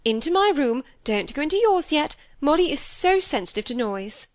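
A woman's voice: sits high, sing-song, moderate pace, no echo, pitched above the performer's own voice. A woman voicing a fussy, self-pitying middle-aged stepmother who complains and talks over others, with a dry, close sound. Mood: fussing.

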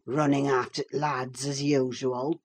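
A croaking, spiteful old manservant grumbles, as a woman reader puts him on. His voice sits low and gravelly. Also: a little slow. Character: grumbling sour old male servant.

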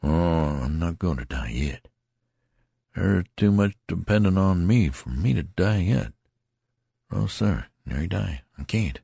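A wounded rustic soldier, as a male reader puts him on, musing in a folksy, homespun drawl. The voice is lifted from a very deep, gravelly base and stays slightly husky. It sounds close and dry. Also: animated, unhurried, warm tone, no echo, exaggerated voice. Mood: wry.

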